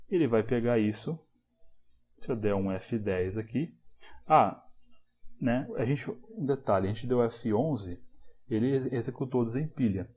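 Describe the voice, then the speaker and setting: A man's voice: mid-range voice, mellow. A man, explaining programming step by step in a casual screencast lesson, often checking in with the listener. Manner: casual, explanatory, frequent tag questions. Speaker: programming instructor.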